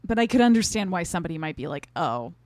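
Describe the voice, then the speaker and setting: A woman with a slightly low voice, recorded close and dry. She talks as a podcast co-host in a loose, conversational review style, agreeable and expressive, working out her thoughts as she speaks. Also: fast, no room sound. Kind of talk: casual conversational review chat.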